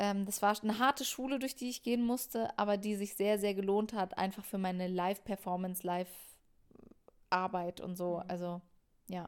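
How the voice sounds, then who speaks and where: A woman uses a normal speaking voice at a medium pitch. She talks at a moderate pace with ordinary pitch variation. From Germany, rural village. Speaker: singer-songwriter. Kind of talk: casual interview chat.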